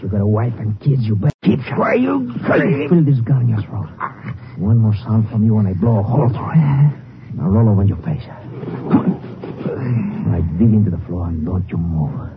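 Casting: desperate radio-drama gunman, threatening orders, animated delivery, muffled noisy vintage recording. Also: fairly low pitch. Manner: threatening, hissed commands. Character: menacing, desperate male villain with a gun. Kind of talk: 1950s radio acting.

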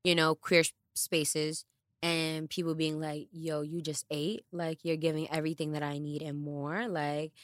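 Low-voiced candid woman podcaster. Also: measured pace, no room sound, clean studio sound. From the Bronx, New York. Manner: candid, animated, voice rising and dropping in bursts. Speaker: podcast co-host. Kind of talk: casual podcast chat. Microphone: studio podcast mic.

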